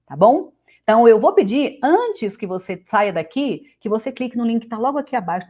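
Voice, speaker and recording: A woman teacher with a Brazilian Portuguese accent explains grammar in a casual online lesson. She talks straight to the viewer in a chatty way and keeps checking in with quick questions. Her voice is close to the mic. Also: mid-range voice, darkish tone.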